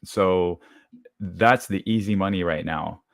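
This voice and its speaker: A man who sounds a bit under the weather, giving a brisk step-by-step walkthrough of his options trades as a guest on a live market show over a video call. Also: sits low, gravelly, no echo, clean studio sound. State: deep voice from a cold.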